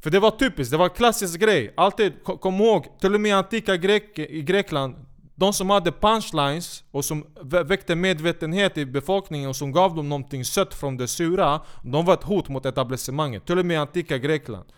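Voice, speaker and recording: A man's voice: on the high side, smooth. A man delivering a heated, profane rant, sarcastic and scolding as he talks straight at the people he is attacking. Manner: angry, sarcastic, scolding, swears a lot. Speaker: commentator.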